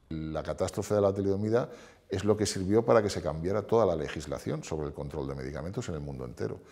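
With faint music in the background, a man speaks very fast in a very deep, low pitch with lively intonation. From Spain. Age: 50s. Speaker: patient advocacy association vice president. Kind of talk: interview. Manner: halting. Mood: earnest, critical. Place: studio. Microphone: lapel.

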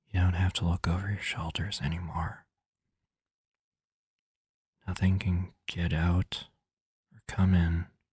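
The voice is soft-spoken with a soothing tone, at a very slow pace. The sound is dry, with no echo. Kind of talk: soft comforting roleplay monologue. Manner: soft, soothing ASMR murmur.

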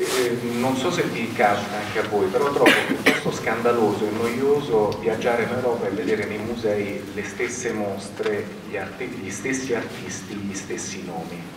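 Over noticeable background noise and with audible room echo, a man speaks at a moderate pace. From Italy. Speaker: museum curator, moderator. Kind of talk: moderated panel introduction. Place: hall.

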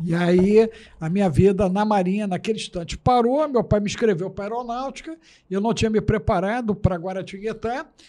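A man's high-pitched voice, dark and mellow in tone, with ordinary pitch variation. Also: quiet background. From Rio de Janeiro, Tijuca; Rio de Janeiro. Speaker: psychologist and pastor; pastor. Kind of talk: life-story testimony. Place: studio. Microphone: studio mic.

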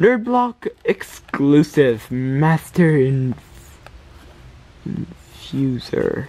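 The pace is very slow. Long pauses come often. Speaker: YouTuber. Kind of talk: unboxing video. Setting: at home on couch. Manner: excited, animated.

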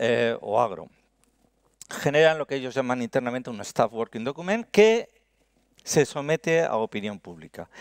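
At a moderate pace with long, frequent pauses, a man's voice swings very widely in pitch and greatly in loudness, the sound dry with no echo against a quiet background. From Basque Country, Spain (Hernani, Gipuzkoa); Basque Country, Spain. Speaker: business association president; conference speaker. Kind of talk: conference talk. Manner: halting, frequent repetitions. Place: hall. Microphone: headset.

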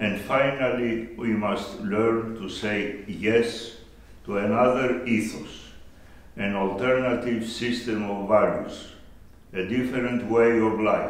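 The delivery is very slow and monotone, with flat intonation. Room echo is audible. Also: man. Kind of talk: formal address. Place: church.

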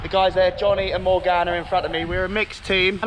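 Over light background noise, a man talks at a fairly quick pace with a high pitch. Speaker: vlogger. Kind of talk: casual vlog chat. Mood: excited and nervous. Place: street. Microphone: phone near.

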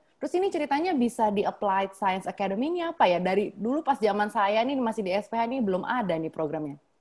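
Barely pausing, a woman speaks at a very fast pace with very wide swings in pitch. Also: fairly high pitch for a woman. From Indonesia. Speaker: moderator, school alumnus; moderator. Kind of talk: panel discussion moderation; moderating panel talk. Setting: video call. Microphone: earbuds.

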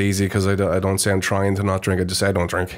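Speaking at a very fast pace, a man keeps a fairly low pitch with monotone, flat intonation. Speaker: podcast co-host. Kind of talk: casual chat. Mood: relaxed, reflective. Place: studio. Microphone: studio mic.

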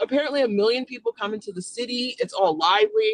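The speaker moves at a fairly quick pace with lively intonation. The sound is dry, with no echo. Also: woman. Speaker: weight loss vlogger. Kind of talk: casual vlog chat. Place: car. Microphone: phone near.

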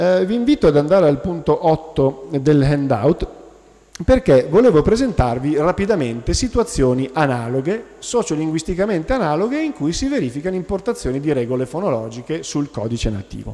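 The voice has a dark, mellow tone and very wide pitch swings, moving at a fairly quick pace. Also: man, fairly high pitch for a man. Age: young. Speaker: linguistics professor. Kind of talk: lecture. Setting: conference hall. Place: hall.

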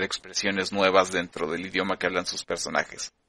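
Heard in a very clean recording with a silent background, a man's bright, sharp tone comes through in a dry, close sound with no echo. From Mexico, Chihuahua. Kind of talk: roundtable discussion.

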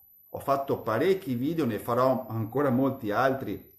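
A man's somewhat breathy voice at medium pitch. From Veneto, Italy. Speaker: politician. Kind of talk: live-streamed political update. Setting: live video stream. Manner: hesitant with fillers.

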